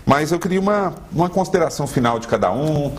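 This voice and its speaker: A man with a Brazilian accent hosting a local television debate, courteous and measured as he wraps up. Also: on the high side, animated. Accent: Brazilian Portuguese. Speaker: debate show host.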